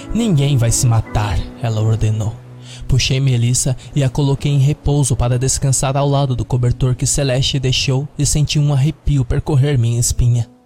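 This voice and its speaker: A man's dramatic tone at a medium pitch and moderate pace, fairly even in intonation, very even in loudness, over noticeable background noise. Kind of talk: scripted horror narration, first-person creepypasta read aloud. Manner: tense, suspenseful, building dread with dramatic pacing.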